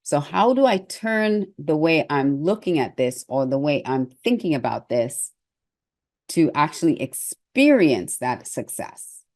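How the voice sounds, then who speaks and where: A woman's voice: low voice, very animated, a little slow, a little mellow. A middle-aged woman giving an earnest, conversational motivational talk as a success coach, with hesitant restarts.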